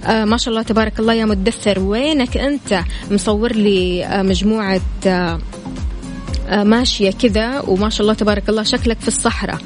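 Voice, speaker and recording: Saudi hejazi woman hosting morning radio, talks really fast, chatty and casual. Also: mid-range voice, steady tone, over music. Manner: chatty, greeting and congratulating listeners. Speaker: radio morning show host. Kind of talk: casual live radio chat with listener shout-outs and news.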